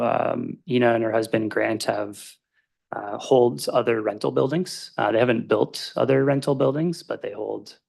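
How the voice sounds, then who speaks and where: A man speaks as a planning consultant before a council, his voice low, deeply gravelly and husky. He answers formally and politely through the chair, pausing with hesitant fillers as he explains. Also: darkish tone. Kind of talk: answering questions at a council meeting.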